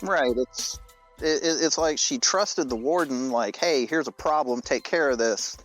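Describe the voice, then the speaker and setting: A man's voice: medium pitch, measured pace, a bit bright, faint music behind, rough recording. A man recapping a story as a podcast guest, in a casual, wry way. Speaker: podcast guest, writer and editor.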